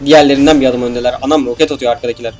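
A man's voice: medium pitch, fairly even intonation, rapid-fire, a little mellow, faint music behind. A young man casually commentating a video game, joking, swearing and talking back to the enemies on screen. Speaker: gameplay commentator. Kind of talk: casual let's play commentary.

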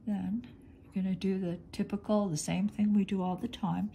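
A middle-aged woman teaching clay work in her home studio, talking slowly as she thinks aloud, a little sniffly. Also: mid-range voice, level tone, gravelly, dark tone, a little hiss or hum. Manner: slow, thinking aloud while working with her hands. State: sniffly, congested. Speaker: polymer clay artist teaching. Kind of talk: relaxed studio demonstration. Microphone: overhead camera on hands, speaker off screen.

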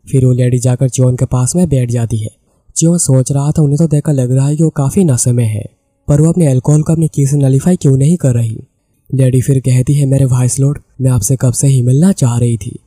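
A man with an Indian accent narrating a comic story recap, voicing the characters' lines in his own steady voice. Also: mid-range voice, husky, no echo. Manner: steady retelling, reads characters' lines in the same voice. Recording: dry close recording with soft background music.

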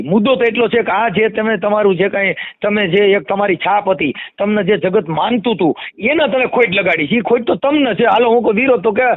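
High-pitched, fast Kathiawadi Gujarati man on phone. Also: no room sound. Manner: insistent, explanatory, repeats phrases for emphasis. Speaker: community activist. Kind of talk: animated phone discussion. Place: phone call. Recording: muffled lo-fi phone call recording.

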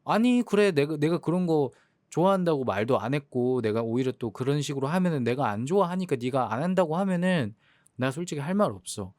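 A man's voice: a little high, lively intonation, fairly quick, darkish tone, no room sound, studio quality, lightly acted. A young man playing a jealous boyfriend in a role-play drama, sulky and exasperated. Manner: sulky, hurt, exasperated complaining.

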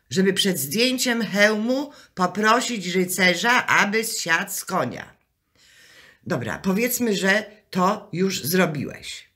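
A woman's voice: medium pitch, sharp tone, exaggerated voice. A woman playing a chatty, fussing, cheerfully muddled wife in an amateur radio comedy, coaxing and exclaiming.

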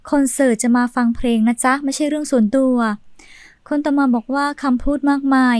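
A woman with a high voice reads viewer comments aloud as the channel's host. Her delivery is steady, with a brief pause before each new comment. The sound is dry and close. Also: no room sound.

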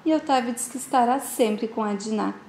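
Woman host, brisk casual recap narrator, slightly high voice, recorded in an echoey room. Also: a little mellow, slight background noise. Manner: brisk retelling, quoted lines voiced with some feeling. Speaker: channel host recapping a soap opera. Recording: roomy echo.

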